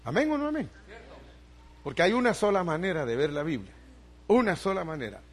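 A man's voice: high voice, big pitch swings, fairly quick, breathy edge. An older male pastor preaching a sermon, asking the congregation for responses and building emphasis.

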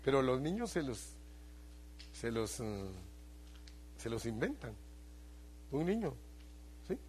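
A man's voice: medium pitch, sing-song, slow, a little mellow, slight background noise. An older man preaching as a pastor, talking with his congregation and often putting questions to them. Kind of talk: sermon.

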